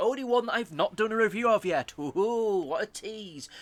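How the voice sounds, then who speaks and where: Here is a man with a British accent. He speaks at a fairly quick pace. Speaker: manga reviewer. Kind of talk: casual review talk to camera.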